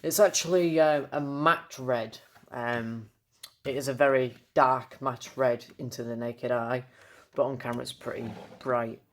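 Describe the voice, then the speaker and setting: In a casual, unscripted video review of a collectible, a young man with a British accent halts and frequently stumbles before correcting himself. His medium-pitched voice is steady and a bit bright, with a little hiss or hum in the recording.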